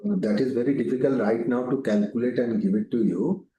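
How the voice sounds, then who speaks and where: A man's voice: medium pitch, fairly quick, warm tone. A man with an Indian accent answering as a company executive on a business call, emphatic and repetitive. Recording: echoey room, faint background noise.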